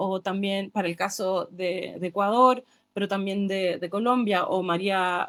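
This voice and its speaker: A woman speaks at a medium pitch. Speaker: historian. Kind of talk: lecture. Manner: fast.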